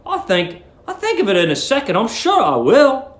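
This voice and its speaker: A man's voice: very high voice, wildly swooping pitch, normal speed, pitched above the performer's own voice, heavily acted. A man playing an earnest, polite seventeen-year-old lodger in a story reading, puzzled and hesitantly groping for words. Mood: searching, excited. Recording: roomy echo.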